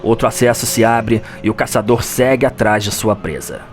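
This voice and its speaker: A man's voice: fairly low pitch, steady tone, moderate pace. A man with a Brazilian accent, giving dramatic scripted narration of a fantasy game story. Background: music.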